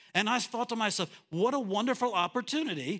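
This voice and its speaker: With an American accent, a raised, projected voice moves at a fairly quick pace, bright and sharp with lively intonation. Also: man, very clean recording, silent background. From US Northeast, New Jersey. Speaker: missionary pastor. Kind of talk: sermon. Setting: church. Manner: halting.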